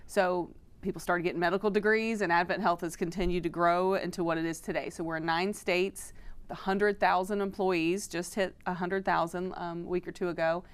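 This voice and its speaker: A middle-aged woman from Florida, executive director of a foundation, appears as a guest answering interview questions in a studio. She's friendly and informative but says "um" a lot. Her voice is lowish, steady, brisk, clear and resonant.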